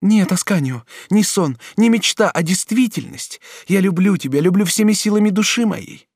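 A man's voice: sits high, lively intonation, moderate pace, a little mellow, husky, no room sound, studio quality, pitched above the performer's own voice, full character voice. A man reading an audiobook, voicing an ardent, jealous duchess who pleads for a young man's love. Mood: passionate. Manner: pleading, then threatening. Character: passionate jealous duchess, the king's favourite.

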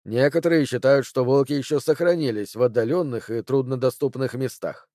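A man's voice: mid-range voice, a little fast, mellow, no echo, clean studio sound, natural voice. Holmes, a man doing a confident detective. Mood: assured. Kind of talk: audiobook character voice.

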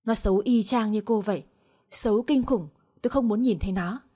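A woman's voice: medium pitch, brisk, dark tone, lightly acted. A woman voicing a cruel older mother-in-law who scolds with harsh contempt. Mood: scolding.

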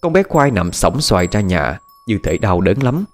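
Low expressive male storyteller. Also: normal speed. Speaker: narrator. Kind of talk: dramatic storytelling narration. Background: faint background music.

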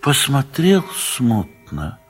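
A man narrating a literary audio drama in measured, dramatic phrases with long pauses. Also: mid-range voice, wildly swooping pitch, breathy edge, soft background music.

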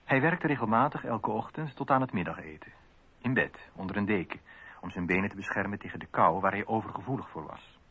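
An actor playing a man who recalls a hidden friend in a measured radio play monologue. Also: on the low side, expressive, breathy edge. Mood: fond, reflective. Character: male memoirist fondly recalling a hidden friend. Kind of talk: reminiscing monologue in radio drama. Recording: slightly dull radio recording.

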